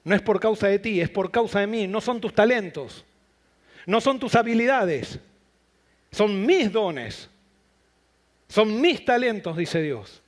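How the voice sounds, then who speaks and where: A man with a high voice preaching a sermon. He builds his points through repeated phrases and rising emphasis, and he also slows into quieter, reflective stretches. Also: expressive. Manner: quieter, reflective and slow in the closing appeal.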